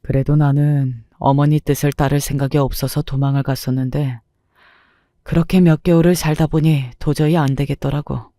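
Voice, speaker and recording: A woman reading the part of an older husband who quietly confesses and apologizes to his wife, in a subdued tone. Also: fairly high pitch, little pitch movement, moderate pace, no room sound, clean studio sound, natural voice. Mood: remorseful.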